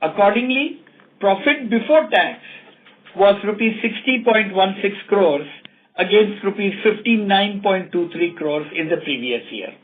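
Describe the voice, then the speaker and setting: A man with an Indian accent formally reading out financial results as a company executive, in a measured way, over a telephone conference call. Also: high-pitched, expressive. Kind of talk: scripted financial results presentation. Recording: tinny narrow phone line.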